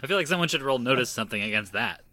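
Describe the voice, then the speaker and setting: Tabletop player, bright tone, quippy, laughs a lot. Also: mid-range voice, expressive, very fast. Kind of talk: casual tabletop role-play chat.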